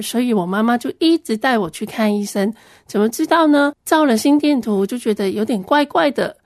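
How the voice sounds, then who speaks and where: High-voiced woman. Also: a little mellow, no echo, clean studio sound. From Hong Kong. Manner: earnest, plain storytelling. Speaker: Christian ministry worker giving a testimony. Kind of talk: personal testimony storytelling.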